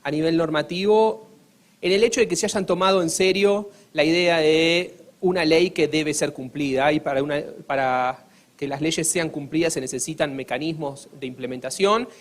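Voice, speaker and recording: A man's voice: on the high side, moderate pace. A man from Argentina with an Argentine accent, speaking earnestly on a panel, with many hesitations and restarts. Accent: Argentine Spanish. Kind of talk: formal panel talk.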